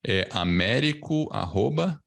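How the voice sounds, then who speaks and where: A man with a Brazilian accent hosts a casual live online class on podcasting, chatting informally and promoting it while frequently adding tag questions. His medium-pitched voice is animated, gravelly and a bit bright, with a measured pace.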